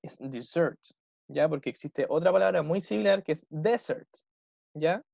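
A Chilean Spanish-accented English teacher leads his class through a recorded dialogue, patiently checking in with "¿ya?" and "¿cierto?" after every point. His gravelly, somewhat dark voice sits a little high and moves at a moderate pace. The studio recording is clean, with no echo.

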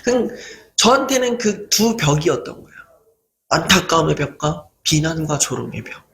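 A man's voice: fairly high pitch, big pitch swings, normal speed, vocal fry, fairly bright tone. A man who hosts a channel, giving an earnest motivational talk and acting out people's mocking remarks as he goes. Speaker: lecturer and channel host.

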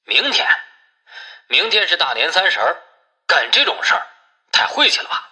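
A grumbling, reluctant village man, played by a male narrator in an audiobook, heard through a telephone effect. His voice is very sharp and bright, with animated, exclaiming pitch. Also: moderate pace, exaggerated voice. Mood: doubtful.

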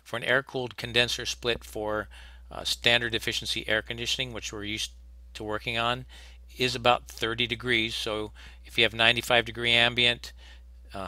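A man's voice: mid-range voice, little pitch movement, normal speed, sharp tone, dry recording. A man teaching HVAC technicians in a recorded slide lecture, plainspoken and practical, often restarting his sentences. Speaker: HVAC instructor.

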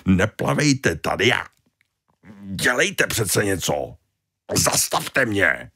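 Storybook: a whiny, bossy starfish grouch, put on by a male reader, gravelly and lively. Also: lowish voice, no echo, clean studio sound, heavily acted. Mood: indignant. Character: grumpy, touchy loner starfish, male.

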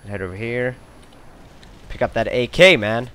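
A young man from Sweden giving live gameplay commentary, excitable and swearing often, with sudden outbursts. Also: medium pitch, a little slow, smooth.

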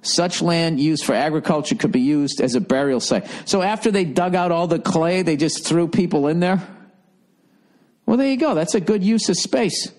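A man's voice: fairly high pitch, normal speed, a little mellow. A middle-aged man reading a text aloud and breaking off into sarcastic, profane comic asides. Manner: sarcastic, profane running commentary. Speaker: comedian. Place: dim study with leather chair.

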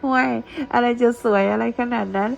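A woman's voice: a little high, fairly even intonation, normal speed, gravelly, rough recording. A woman giving a chatty tarot reading to her viewers, playful and gushing, full of teasing praise. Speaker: tarot reader.

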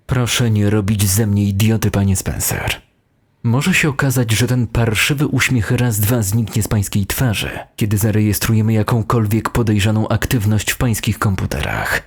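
A man's voice: fairly low pitch, fairly even intonation, normal speed, breathy edge. A man reading the part of a stern, threatening detective in an audio horror story, curt and menacing.

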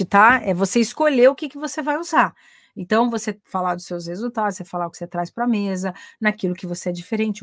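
A woman's voice: medium pitch, no echo. Brazilian woman teaching a live english class, chatty, keeps tossing in english words and tag questions, dry sound. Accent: Brazilian Portuguese. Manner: chatty, mixes English phrases into Portuguese, frequent tag questions. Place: home in England.

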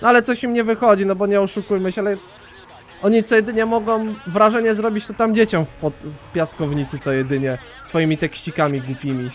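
A man from Poland hosting a let's play, rambling excitably and swearing casually as he plays. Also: sits high, a little fast.

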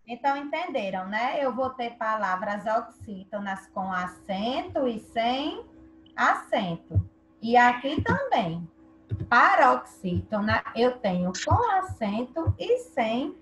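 A woman's voice: on the high side, fairly bright tone, slight background noise. A Brazilian woman teaching an online class to young children, patiently quizzing her pupils. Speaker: primary school teacher.

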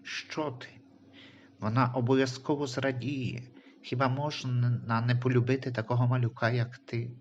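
A man voicing a tender, reassuring guardian angel in a Christian audio story, speaking calmly and comfortingly. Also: mid-range voice, normal speed, muffled recording, a little hiss or hum, natural voice. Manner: calm, comforting.

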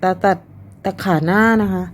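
A woman's voice: moderate pace, darkish tone. A woman chatting casually while filming her pet cat, laughing often and talking to the cat between stories. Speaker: cat owner vlogger.

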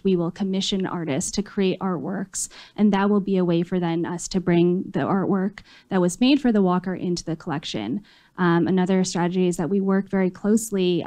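A woman museum curator speaking on a panel on an auditorium stage, measured and steady with frequent soft fillers. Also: on the low side. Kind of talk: conference panel discussion.

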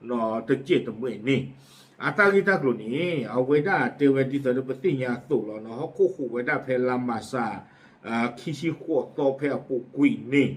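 A man presents community news in a medium-pitched voice, fairly quick and with lively intonation. The tone is chatty and casual, and he sprinkles in fillers and asides as he comments.

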